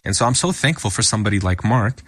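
A man, an emergency physician, answering interview questions in an earnest, steady way. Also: lowish voice, fast talker, husky, dry recording.

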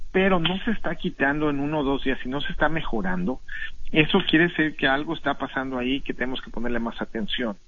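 A man speaks as a doctor on a call-in radio show, patiently explaining advice and repeating phrases as he works through a point. His voice is bright and husky. The broadcast sound is dull and lo-fi. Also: a little high. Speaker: doctor guest.

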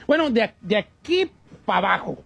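A man's voice: high voice, sing-song, moderate pace, gravelly, fairly bright tone, dry recording, exaggerated voice. A man voicing a folksy old Mexican ranchero with a Mexican accent, rambling and joking through comic radio news, stumbling over words. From Michoacán, Mexico. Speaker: co-host presenting comic news.

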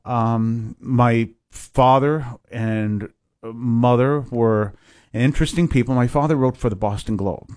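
An older Catholic priest from Massachusetts, speaking as a guest in a reflective, hesitant way. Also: male voice, mid-range voice, slow, darkish tone, no echo, studio quality. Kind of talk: conversational interview.

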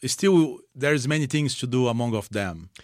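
A man's voice: medium pitch, expressive, a little mellow, dry recording, clean studio sound. Earnest missionary man, English. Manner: earnest, simple second-language English with pauses. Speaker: missionary guest. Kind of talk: interview, personal testimony.

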